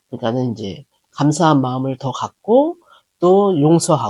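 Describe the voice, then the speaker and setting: Speaking at a very slow pace, a man is heard in a dry, close sound with no echo. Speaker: legal document assistant and vlogger. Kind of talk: casual talk to camera. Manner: hesitant, many fillers.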